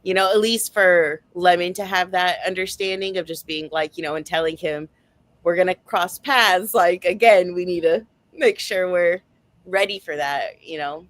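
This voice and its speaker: A woman's voice: on the low side, moderate pace, fairly bright tone, dry recording. A woman in a casual book club chat, talking in a rambling way with lots of filler phrases. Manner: rambling, heavy use of like and you know.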